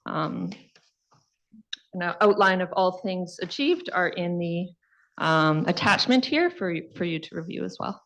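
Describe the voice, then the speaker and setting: A woman's voice: on the low side, lively intonation, unhurried, vocal fry, a bit bright. Canadian woman presenting a council report. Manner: plain, with frequent fillers. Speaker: city environmental lead. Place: council chamber.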